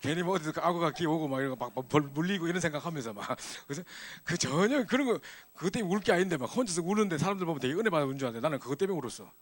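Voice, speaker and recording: A middle-aged man preaching to a church youth group, telling a personal story in a lively, animated way. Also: on the high side, rapid-fire, hardly any pauses. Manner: animated storytelling, acts out scenes. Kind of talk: sermon with personal testimony.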